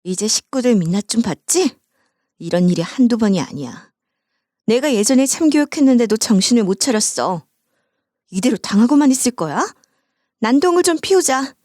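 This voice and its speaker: A woman voicing a sly young female shaman who gives low, conspiratorial commands in a storytelling video. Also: sing-song, normal speed, a little mellow, no echo, studio quality. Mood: scheming.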